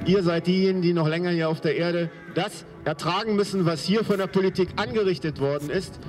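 Clear music plays behind a man talking at a fairly quick pace. His pitch is high. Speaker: speaker. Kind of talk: protest speech. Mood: indignant, critical. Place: street.

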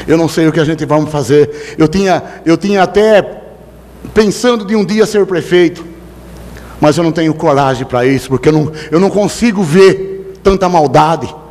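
Pitch variation is ordinary and the pace moderate. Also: man. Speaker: town councillor. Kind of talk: public hearing speech. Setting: city council chamber with audience. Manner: plain, colloquial; impassioned. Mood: angry indignation. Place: hall. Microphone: podium.

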